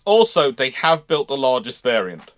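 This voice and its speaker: A man's voice: medium pitch, very animated, moderate pace, a bit bright. A man hosting a casual live question-and-answer discussion, explaining things with playful asides. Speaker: host answering viewer questions.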